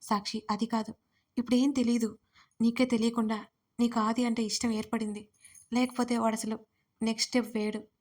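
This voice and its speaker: A patient young man who soothes and reasons in a steady, even tone, as a woman storyteller puts him on. He speaks persuasively and keeps his voice level. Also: fairly high pitch, brisk, pauses often, natural voice. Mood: calm reasoning.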